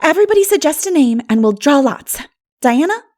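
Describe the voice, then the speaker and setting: A woman's voice: high-pitched, very animated, a little fast, a little mellow, voice pushed up. A woman reading an audiobook as an exuberant, dreamy young woman who talks in an earnest, gushing, flowery way. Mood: bright enthusiasm. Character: Anne, exuberant, dreamy, poetical schoolgirl-spirited young woman. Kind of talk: audiobook character voice.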